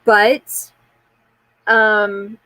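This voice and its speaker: A woman's voice: mid-range voice, flat delivery, extremely slow, bright, forceful tone, low-quality recording. A woman in her forties hosting a casual live chat, talking candidly in a rambling way and answering viewer comments, with frequent fillers and restarts. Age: 40s.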